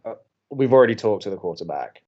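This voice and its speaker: Skeptical young radio co-host, dry, hesitant, with lively intonation; audio drama, slightly dull recording. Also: male voice, fairly low pitch, fast. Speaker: college radio co-host character.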